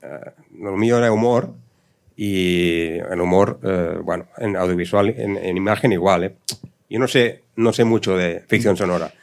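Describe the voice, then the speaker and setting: Halting man in casual panel talk. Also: low voice. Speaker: fiction writer, panelist.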